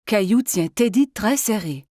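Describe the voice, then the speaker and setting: A woman narrating a scripted children's story in an expressive storytelling manner. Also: medium pitch, measured pace, noisy background.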